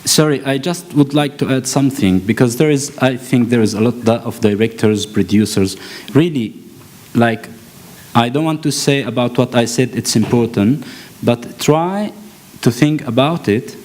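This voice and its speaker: A man from Palestine, giving an earnest conference talk, often pausing and restarting as he searches for words. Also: medium pitch, a little mellow. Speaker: actor and panel speaker. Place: conference hall stage.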